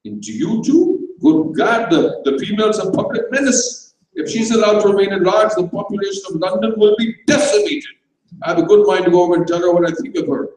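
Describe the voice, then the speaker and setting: Casting: pompous, irascible older lord played by a male reader, explosive and high-pitched, heard in a very echoey room. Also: lively intonation, fairly quick, a little mellow. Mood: indignant. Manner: explosive, indignant exclaiming. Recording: roomy echoing hall, distant microphone.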